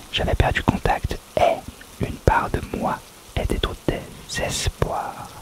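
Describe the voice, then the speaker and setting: Someone whispers at a very slow pace. Background noise is noticeable. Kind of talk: hypnotic relaxation reading from a book. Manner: whispered.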